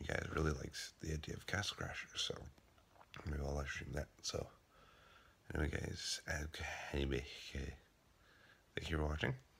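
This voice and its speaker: A man speaks at a fairly quick clip in a very deep, low voice with vocal fry and flat, monotone intonation, broken by long, frequent pauses. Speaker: gaming YouTuber and vlogger. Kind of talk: casual vlog. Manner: loud. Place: home room. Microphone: phone near.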